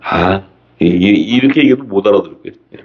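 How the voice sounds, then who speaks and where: A man preaching a seminar sermon in a colloquial, animated way, asking rhetorical questions and reading scripture aloud. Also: sits low, brisk, background noise. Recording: dull lo-fi audio.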